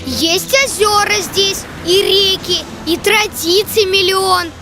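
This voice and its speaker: A childlike voice reciting verse as narration for a children's cartoon, in a measured, declamatory way. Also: very high voice. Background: music.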